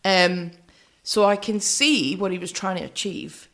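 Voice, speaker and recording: A woman co-hosting a music podcast, chatting casually in a measured way as she weighs both sides. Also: medium pitch, a bit bright.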